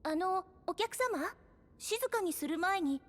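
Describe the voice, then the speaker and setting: Very high-pitched chirpy robot girl. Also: expressive, normal speed. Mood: polite, earnest. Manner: very formal, courteous, chattering. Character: chirpy, polite, talkative young female robot guide. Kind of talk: Japanese anime voice acting.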